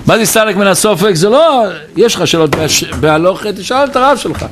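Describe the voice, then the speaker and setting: Brief: male Hasidic storyteller, lively swooping delivery, a bit higher voice, faint noise behind. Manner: animated, repeats phrases, addresses listeners directly. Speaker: Hasidic teacher at a gathering. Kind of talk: storytelling talk at a farbrengen.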